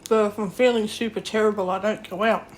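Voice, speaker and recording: A woman's voice: medium pitch, fairly even intonation, quick pace, slight background noise. A woman chats casually and bluntly while eating, talking with her mouth full of snack food. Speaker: vlogger.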